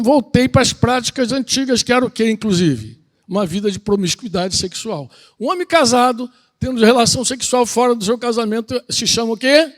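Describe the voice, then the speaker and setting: A middle-aged man, preaching a conversational sermon and asking his congregation questions. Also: sits high. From Brazil. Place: outdoor country retreat gathering.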